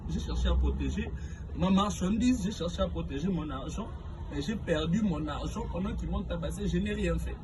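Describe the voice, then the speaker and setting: A Congolese man with a somewhat high voice speaks in an urgent, aggrieved rush, pleading his case to the authorities. He is outdoors by a busy road, and loud traffic roars behind him. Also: moderate pace. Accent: Congolese French. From Congo-Kinshasa. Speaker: trader. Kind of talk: filmed personal testimony and appeal. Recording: street recording with loud traffic noise. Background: heavy vehicle traffic.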